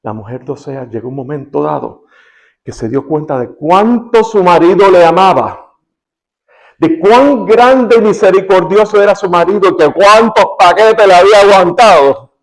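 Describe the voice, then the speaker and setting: A man with a Cuban accent preaching a sermon, shifting between soft quoted passages and emphatic rising questions. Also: high voice, lively intonation, moderate pace, low-quality recording. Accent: Cuban Spanish. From Cuba. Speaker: pastor.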